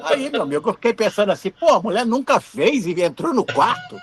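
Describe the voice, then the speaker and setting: A man's voice: high-pitched, very animated, brisk, slightly rough. A man in his fifties from Brazil, a former TV camera operator, telling anecdotes in an interview and acting out the dialogue. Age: 50s. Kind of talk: storytelling interview.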